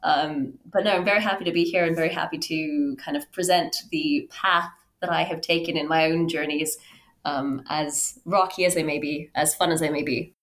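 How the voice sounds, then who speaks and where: A woman in her thirties from Canada, a podcast guest telling her own story conversationally in an animated way. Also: low voice, moderate pace. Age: 30s. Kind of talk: conversational interview, personal storytelling.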